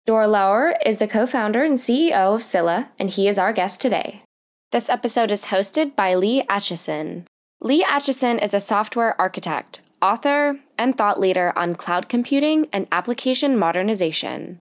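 A woman reads a podcast introduction from a script. Her delivery is even and steady, and her voice sits at an ordinary middle pitch. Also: normal speed. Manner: even, read-aloud delivery. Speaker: show announcer.

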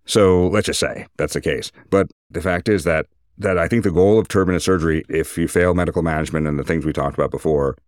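Really deep male doctor voice, informal detailed medical explainer, dry sound no room. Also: fast talker, darkish tone, no room sound. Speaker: surgeon and medical teacher.

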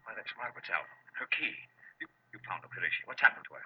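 An actor playing an anxious, respectable widower in a 1940s radio drama, speaking in an earnest, halting, formal way. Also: male voice, fairly low pitch, expressive, sharp tone, slightly rough, full character voice. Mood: startled, anxious. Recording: dull, hissy old radio recording.

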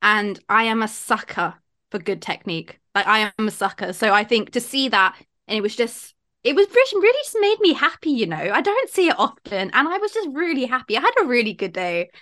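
A woman's voice: a little high, sing-song, a little fast, a bit bright. A woman from India co-hosting a casual sports podcast, talking in a gushing, emphatic way. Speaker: podcast co-host.

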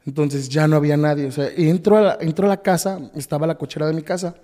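A man with a Mexican Spanish accent, a podcast guest telling a painful personal story, halting, with frequent restarts and repetitions. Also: fairly high pitch, fairly even intonation, dark tone, long reverb tail.

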